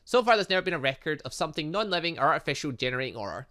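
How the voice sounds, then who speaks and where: A man's voice: a little high, sing-song, racing, sharp tone. A man voicing a cheeky, blunt young female student who teases and lectures, in a visual novel game. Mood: lecturing. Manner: teasing, lecturing.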